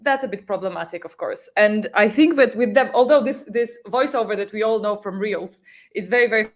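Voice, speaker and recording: A woman's voice: medium pitch, a little fast. A woman speaking informally as a guest in a casual panel discussion, chatty and fond of giving examples. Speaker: guest on a social media talk show.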